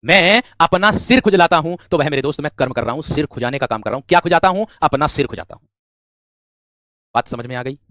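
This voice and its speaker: A man's voice: fairly high pitch, animated, fast, a bit bright, no echo, studio quality. A man teaching an exam-prep grammar lesson, asking the class questions and answering them himself, repeating key phrases. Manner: repeats phrases, often says "my friend".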